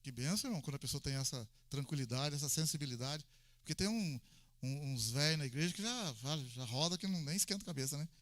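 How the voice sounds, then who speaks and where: A middle-aged male pastor with a Minas Gerais Brazilian accent, preaching a Sunday sermon in church, animated and full of rhetorical questions. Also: a little high, fast talker, no room sound. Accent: Brazilian Portuguese, Minas Gerais. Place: church sanctuary.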